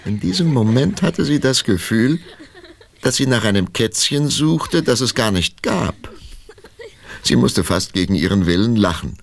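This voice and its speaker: A man narrating a children's radio play with expressive storytelling. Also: medium pitch, unhurried, gravelly, noisy background.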